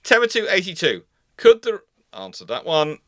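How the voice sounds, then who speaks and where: A man's voice: sits high, huge pitch swings, pushed and bright, no room sound, clean studio sound. A man hosting a live history question-and-answer discussion, speaking off the cuff and often rephrasing himself mid-sentence. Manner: halting, self-correcting, rephrasing mid-sentence. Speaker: host of a naval history live Q&A.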